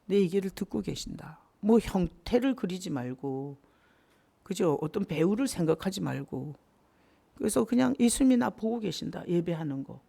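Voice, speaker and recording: High, gravelly-voiced male pastor. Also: expressive, normal speed, warm tone. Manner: conversational, with rhetorical questions and asides. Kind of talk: Bible study teaching.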